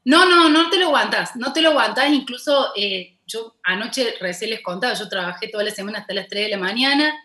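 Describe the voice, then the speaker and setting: A woman's voice: a little high, lively intonation, fairly quick, hardly any pauses, sharp tone, reverberant. A woman with a Córdoba Argentine accent, a former TV host turned content creator, telling her story passionately and emphatically in a casual interview.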